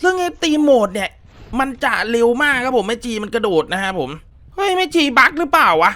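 With an extremely high, sharp voice full of big pitch swings, a man rattles through a horror-game let's play at a fast clip. He chats politely with viewers in casual commentary, often exclaiming and laughing.

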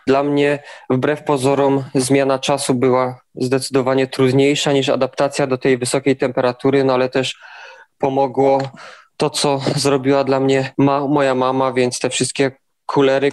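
A young man answering interview questions in an even, steady way, now and then restarting words. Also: mid-range voice. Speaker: interviewed athlete.

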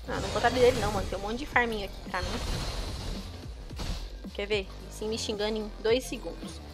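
A young Brazilian woman chatting casually with viewers while streaming a game, with excitable outbursts. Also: mid-range voice, a little fast, over music. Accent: Brazilian Portuguese. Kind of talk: casual gameplay commentary.

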